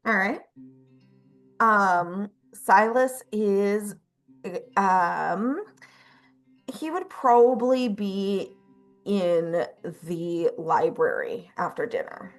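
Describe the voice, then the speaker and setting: A woman narrating as game master of a tabletop game, relaxed and hesitant, with many fillers. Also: medium pitch, very slow, soft background music.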